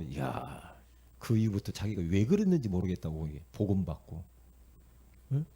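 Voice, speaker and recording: A middle-aged man from Korea preaching a sermon as pastor, telling stories in an animated way, acting out voices and calling out to the congregation. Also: fairly low pitch, slightly rough. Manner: animated storytelling, acting out inner voices and quotes; repetitive, calls out to the congregation.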